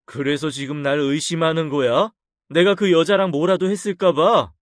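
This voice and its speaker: An actor playing an arrogant, hot-tempered husband who talks with contempt and a threatening edge in a radio drama. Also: male voice, fairly high pitch, fairly even intonation, moderate pace, no room sound, studio quality, lightly acted. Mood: defensive.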